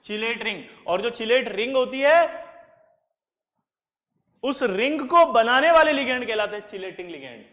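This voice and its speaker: A man's voice: extremely high pitch, expressive, moderate pace, pauses often, bright, forceful tone. A man teaching chemistry in a classroom lecture, drilling students with repeated questions and answers. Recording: echoey classroom with long reverb.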